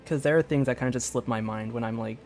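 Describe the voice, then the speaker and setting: A man's voice: medium pitch, fast, darkish tone, faint music behind. A man giving casual livestream commentary on a game, talking in a rambling, hesitant way. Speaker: game streamer.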